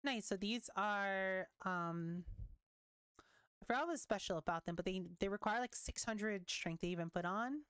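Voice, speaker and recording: A young woman giving casual commentary while reading patch notes, chatty and quick to react, swearing now and then, her voice wearing thin. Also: medium pitch, fairly bright tone, smooth, no room sound, clean studio sound. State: losing her voice. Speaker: gaming content creator.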